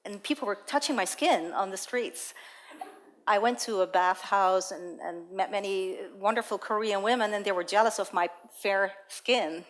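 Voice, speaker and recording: Female TEDx speaker from the Netherlands, young, telling personal stories in a relaxed way. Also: medium pitch, normal speed. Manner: personal storytelling, light laughs, occasional restarts. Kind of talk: public talk on stage.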